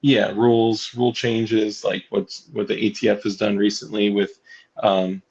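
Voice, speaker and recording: Raspy low-ish guy cohosting, rambly, kinda muffled lo-fi audio. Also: level tone, darkish tone. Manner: rambling, halting, many fillers. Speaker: co-host. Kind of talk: casual livestream chat.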